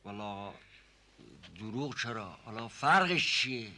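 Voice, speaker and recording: A stammering, evasive old household servant in a TV comedy drama. He hedges and repeats himself in a bright, ringing tone. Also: on the low side, expressive, slight background noise. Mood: hesitant. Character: humble hesitant older male household servant.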